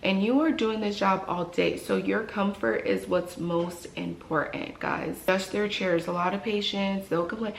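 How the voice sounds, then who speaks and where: A woman's voice: mid-range voice, fairly even intonation, moderate pace, creaky, few pauses. A woman who works as a dental hygienist, giving casual, encouraging advice and repeating phrases for emphasis. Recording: echoey room with faint noise.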